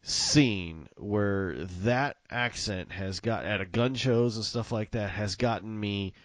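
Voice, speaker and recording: Southern US man, co-host type, low pitch, close dry sound, folksy and blunt casual talk. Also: takes it slowly, no echo. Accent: Southern American. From southern United States, Mississippi and Texas. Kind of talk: casual political chat.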